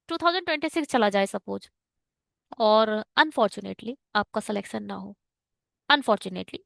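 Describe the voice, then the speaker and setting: A woman's voice: a little high, vocal fry, fairly bright tone, dry recording, studio quality. A woman teaching reasoning for bank exams in a chatty online lesson, mixing Hindi and English and ranting at exam setters.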